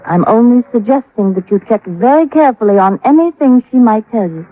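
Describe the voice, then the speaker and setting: A woman's voice: fairly high pitch, expressive, brisk. An actress playing a genteel, evasive young woman from an old family in 1950s radio drama style, hesitant and confiding. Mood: suspicious. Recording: dull lo-fi old radio recording.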